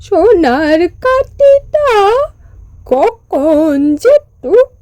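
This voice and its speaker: A woman narrating a scripted fairy tale as a storyteller, in a dramatic, drawn-out delivery. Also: extremely high pitch, sing-song, dark tone, dry recording.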